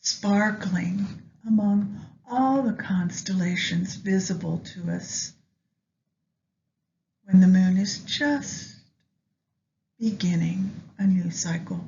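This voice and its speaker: A woman leading a guided meditation with astrology, speaking gently and in measured short phrases with long pauses. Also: mid-range voice. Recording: dull lo-fi sound, faint background noise.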